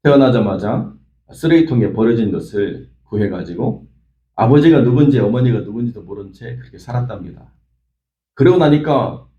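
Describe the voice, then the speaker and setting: Earnest Korean pastor in an echoey hall. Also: male voice, medium pitch, dark tone, dull audio. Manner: earnest storytelling with frequent "예" fillers. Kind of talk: early-morning sermon. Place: church sanctuary.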